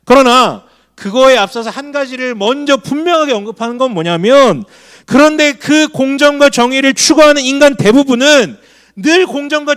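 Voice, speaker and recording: Pastor, male, high voice, emphatic sermon with questions to the room. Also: a bit bright. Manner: emphatic, asks the congregation questions. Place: church hall.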